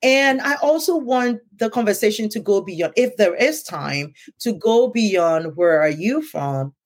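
A woman's voice: medium pitch, animated, unhurried. A middle-aged woman with a Ghanaian accent, hosting a casual conversation in an earnest tone and often checking in with "right?". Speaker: podcast host.

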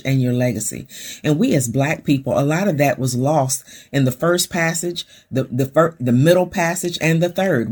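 Fervent husky woman podcast host. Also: a bass voice. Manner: fervent, preacherly, repeats lists. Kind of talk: motivational talk.

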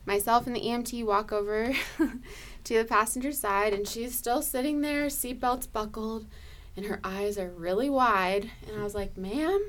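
A woman ER nurse telling a work story in a casual, lively way, laughing often and saying "like" a lot. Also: a little high, normal speed. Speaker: ER nurse guest.

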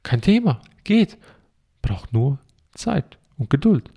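A man delivers a self-help monologue, piling up rhetorical questions one after another. His voice carries a gravelly fry, and his tone stays preachy and insistent throughout. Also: mid-range voice, sing-song, slow pace, dull audio. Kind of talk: monologue to camera.

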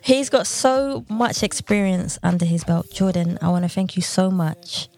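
A woman's voice: fairly low pitch, steady tone, moderate pace, soft background music. Upbeat woman hosting a podcast. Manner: warm, encouraging, upbeat. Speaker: podcast host. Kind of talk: podcast interview.

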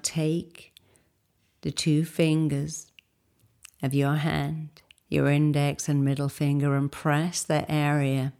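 A woman leading a guided meditation in a soothing, unhurried, instructive way, with a soft voice that turns breathy at phrase ends. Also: deep voice.

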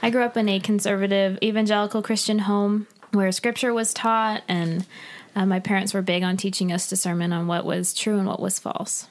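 A young woman, a podcast guest, calmly recounting her experiences in a measured way. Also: mid-range voice. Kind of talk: interview answers.

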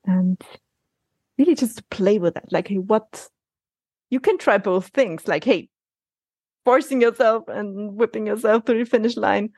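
A woman speaks as a coaching guest in a relaxed interview, her tone gentle and reassuring. She often breaks off and restarts her sentences as she thinks aloud. The sound is dry and close. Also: mid-range voice, slightly rough, no echo. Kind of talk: conversational interview answers.

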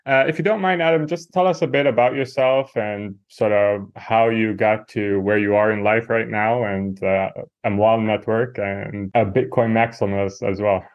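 A man's voice: lowish voice, normal speed, no room sound, highs cut off. A man hosting a podcast interview, reading the intro and then asking his guest questions in a friendly, upbeat way. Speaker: podcast host.

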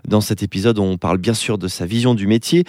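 A man's voice: on the low side, steady tone, quick pace, darkish tone, no echo, studio quality. A man hosting a podcast, introducing the episode and asking informal, friendly questions. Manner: friendly, informal, uses "tu" with the guest. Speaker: podcast host.

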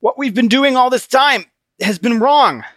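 Man voicing a frantic high-pitched young soldier. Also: a little slow, a bit bright, dry recording, studio quality. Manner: strained, pleading, frantic. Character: desperate young male armored soldier.

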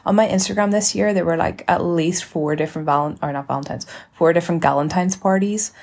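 A woman in her twenties hosting a casual solo podcast, chatty and rambling in an informal, relaxed way. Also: lowish voice, quick pace. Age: 20s. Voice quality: relaxed, slightly husky. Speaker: podcast host.

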